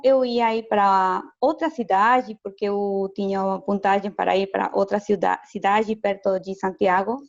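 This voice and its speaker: A woman's voice: on the high side, darkish tone, muffled recording. A woman from Chile with a Chilean Spanish accent and Spanish as her first language, speaking Portuguese carefully and hesitantly as an interview guest, laughing often. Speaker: interview guest, education lecturer. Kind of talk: casual video call interview.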